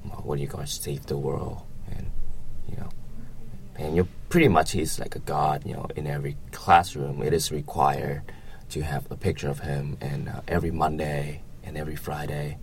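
A young man from Vietnam, a native Vietnamese speaker with a Vietnamese accent, answering casually in a halting, rambling way with lots of filler phrases. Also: a bass voice, little pitch movement, creaky, slight background noise. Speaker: interviewee.

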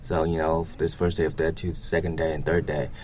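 A man from Vietnam, answering interview questions casually and haltingly, often hedging with "you know" and "like". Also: rumbling low, monotone, darkish tone, a little hiss or hum.

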